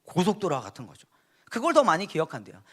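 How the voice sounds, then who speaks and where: Guest preacher, man in his thirties, bright high voice, swings widely, storytelling sermon with questions to the crowd. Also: fast, slightly rough. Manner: animated storytelling, asks the audience questions, laughs along. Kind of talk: lively sermon to a youth congregation. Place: church sanctuary.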